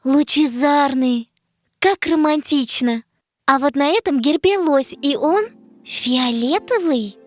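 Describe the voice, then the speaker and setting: A woman voicing a curious, excitable child in an educational cartoon, wide-eyed and full of questions. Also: high-pitched, slow pace, soft background music. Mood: wondering. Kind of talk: scripted educational cartoon dialogue.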